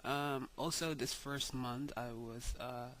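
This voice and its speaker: A young man talking slowly in a casual video diary, with many ums and pauses, tired. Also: mid-range voice, steady tone, fairly bright tone, slight background noise. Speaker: vlogger.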